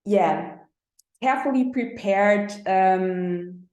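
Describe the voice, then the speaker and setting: A woman with a German accent, a non-native English speaker giving a spiritual astrology talk, pausing often and searching for her words. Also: mid-range voice, a little mellow, roomy sound, low-quality recording. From Austria. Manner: slow, halting, searching for words with many fillers.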